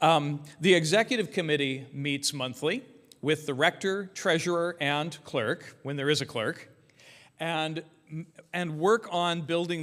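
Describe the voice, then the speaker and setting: An ordinary speaking voice comes from a man at a fairly high pitch with ordinary pitch variation and a moderate pace. The recording is very clean, with a silent background. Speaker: church rector. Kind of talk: meeting address.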